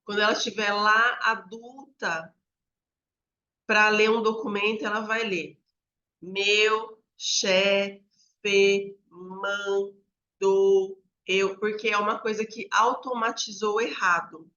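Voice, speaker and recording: A woman educator walks listeners through how children learn to read, pausing often to check that they follow. Her voice is bright and forceful. The recording sounds a little dull and lo-fi. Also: mid-range voice, steady tone. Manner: explains step by step, frequent "né?" checks with listeners. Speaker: literacy educator. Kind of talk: explanatory teaching talk.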